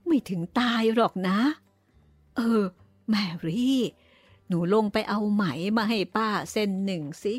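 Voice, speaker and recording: A woman voicing a flustered, scolding but soft-hearted old aunt in an audiobook. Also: medium pitch, no room sound. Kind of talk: audiobook reading.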